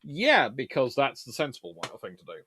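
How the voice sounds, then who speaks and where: A man hosting a casual live question-and-answer stream on naval history, chatty and animated, talking in a stop-start way with trailing asides. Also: medium pitch, fairly quick, a little hiss or hum. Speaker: livestream host answering viewer questions.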